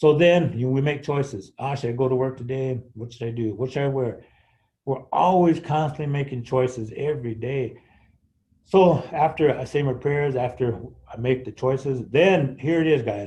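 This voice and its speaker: A man with an American accent speaks at medium pitch and a moderate pace. His tone is dark, mellow and somewhat breathy, with ordinary pitch variation. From Nebraska. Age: 60s. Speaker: probation officer and trainer. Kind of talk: recorded talk. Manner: conversational, with many fillers and repetitions.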